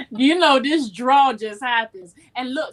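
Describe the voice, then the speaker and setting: In a Southern US accent, a woman with a high pitch and lively intonation talks at a moderate pace. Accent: Southern-sounding, likened to New Orleans. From Virginia, born in New Jersey. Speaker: online show host. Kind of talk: casual chat.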